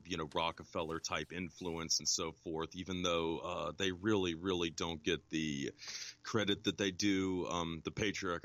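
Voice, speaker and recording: A man being interviewed as an author, explaining at length in a measured way with many ums. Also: low voice, fairly bright tone, no echo. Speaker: guest author. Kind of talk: interview answers.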